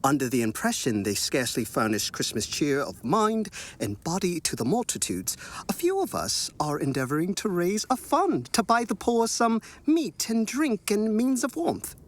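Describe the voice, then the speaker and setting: A very animated, courteous charity gentleman. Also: sits high, normal speed. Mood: imploring. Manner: formal, courteous, imploring. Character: polite, earnest gentleman collecting for charity. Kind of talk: theatrical radio drama acting.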